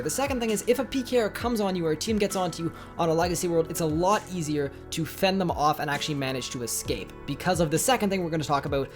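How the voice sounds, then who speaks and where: A man hosting a video game guide voice-over, slightly congested, upbeat and chatty with his viewers. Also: on the high side. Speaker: gaming guide host.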